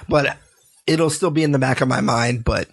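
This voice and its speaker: A man hosting a podcast, hoarse and stuffed up from a cold, with a raspy voice and a rambling manner full of fillers and restarts. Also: medium pitch, normal speed, no echo. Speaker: podcast host. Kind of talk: casual podcast chat.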